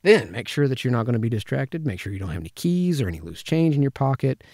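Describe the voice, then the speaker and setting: A man's voice: medium pitch, sing-song, fast, mellow, dry recording. A man giving an informal tutorial as a voice actor, talking casually and conversationally into a close microphone. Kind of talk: informal instructional talk with vocal demonstrations. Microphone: close studio microphone, spoken slightly to the side.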